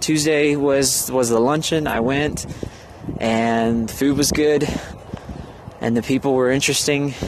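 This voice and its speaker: Long, frequent pauses break up fairly slow speech with fairly even intonation. Noticeable background noise and audible room echo fill the recording. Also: man, fairly high pitch for a man, very even loudness. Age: 30s. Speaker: web designer and video diarist. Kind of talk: casual vlog monologue. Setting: outdoors, walking. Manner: halting, with many fillers and repeats.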